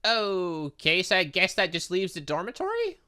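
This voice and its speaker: A man's voice: high-pitched, wildly swooping pitch, normal speed, bright, forceful tone. A man hosting a gaming video, chatting and reacting aloud as he plays through a visual novel. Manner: chatty, reacts aloud between read lines. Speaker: gaming channel host. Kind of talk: let's play commentary, reading visual novel dialogue aloud.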